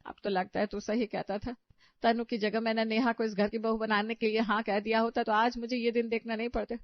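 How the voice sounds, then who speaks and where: A woman's voice: a little high, little pitch movement, fairly quick, no echo, lightly acted. A woman voicing an aging, long-suffering mother-in-law in a cartoon story, who pleads and scolds in exasperation. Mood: exasperated. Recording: dry, slightly dull audio.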